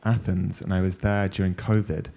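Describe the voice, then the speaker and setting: A low-voiced man hosts a panel talk. His tone is dark and mellow, and he tells thoughtful stories in loose, rambling phrases. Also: little pitch movement, normal speed, creaky. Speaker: panel moderator. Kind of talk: panel discussion. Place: panel event.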